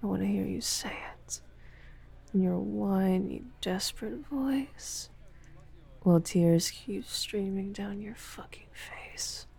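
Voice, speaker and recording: A woman playing a dominant, taunting lover in an intimate audio roleplay, mostly in a husky whisper with a slow, commanding delivery. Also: mid-range voice, warm tone, full character voice. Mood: teasing. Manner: slow, teasing, commanding, profane.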